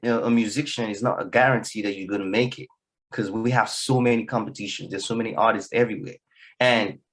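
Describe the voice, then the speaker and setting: A young man with a Nigerian accent, a musician guest speaking in a relaxed, loose way in a radio studio. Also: on the low side, poor audio. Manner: relaxed, loose talk full of "you know". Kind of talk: radio interview.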